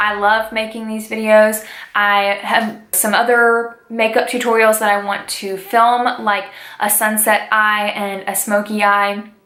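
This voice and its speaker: A woman's fairly high, bright, sharp voice at a fairly slow pace, monotone and flat, with audible room echo. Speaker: beauty vlogger. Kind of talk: makeup tutorial. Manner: stutters; casual, chatty.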